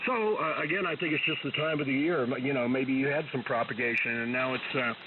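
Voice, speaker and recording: Male amateur radio operator, relaxed conversational delivery, sounding distant amid clear static. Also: mid-range voice, brisk. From United States. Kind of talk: casual on-air radio chat. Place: amateur radio transmission on 40 meters. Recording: distant tinny shortwave radio, noisy static.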